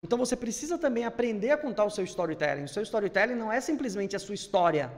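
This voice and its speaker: Energetic man in a reverberant hall. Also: high-pitched, fast. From Salvador, Brazil. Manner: energetic, emphatic, rising bursts when he gets worked up. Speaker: speaking coach. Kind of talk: instructive conversation.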